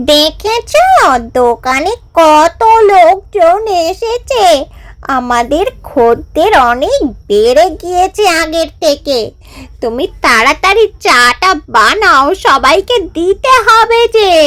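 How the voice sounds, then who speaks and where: In a cartoonish character voice, a woman speaks at a very slow pace in an extremely high pitch that swings very widely. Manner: sweet on the surface, scheming underneath.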